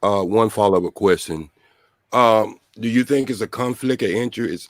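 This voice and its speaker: Recorded with a dry, close sound and no echo, a man talks in an unremarkable speaking voice at medium pitch with ordinary pitch variation. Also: moderate pace. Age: 60s. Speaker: caller in a live-stream debate. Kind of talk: casual call-in question.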